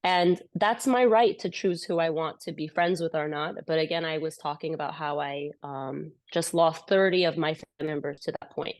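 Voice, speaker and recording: A woman speaks at a campus event in a passionate, earnest way, often restarting her sentences as she retells a hard conversation. Her voice sits on the low side for a woman. The sound is dry and close, with little room echo. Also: normal speed, few pauses. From United States. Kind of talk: impassioned personal testimony.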